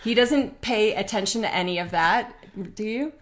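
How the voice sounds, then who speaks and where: A woman's voice: medium pitch, moderate pace. Chatty woman hosting a live talk. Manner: candid, chatty, laughs often. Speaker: host. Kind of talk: live-stream conversation.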